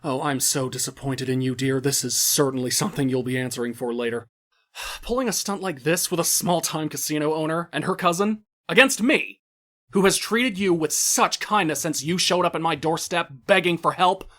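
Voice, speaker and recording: A man's voice: fairly high pitch, moderate pace, fairly bright tone, lightly acted. Man playing a smug, menacing loan shark boss. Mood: furious, scornful. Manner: mock-courteous and condescending, erupting into menacing outbursts. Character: menacing male loan shark crime boss, smugly cruel and theatrical. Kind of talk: dramatic audio drama acting.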